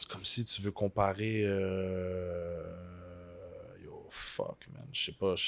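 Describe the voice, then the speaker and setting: A man with a very deep, low voice speaks very slowly, with long, frequent pauses and fairly even intonation. The sound is dry, with no echo. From Quebec, Longueuil (South Shore of Montreal); Quebec, Canada. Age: 20s. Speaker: rapper; guest. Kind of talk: casual interview. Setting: studio. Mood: laid-back, casual. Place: studio. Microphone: studio mic.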